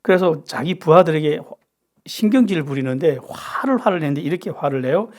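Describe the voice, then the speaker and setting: A man from North Korea who is a pastor, giving an expressive Bible-study sermon full of rhetorical questions to his congregation. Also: fairly high pitch, fairly quick. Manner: lively, asks the audience rhetorical questions.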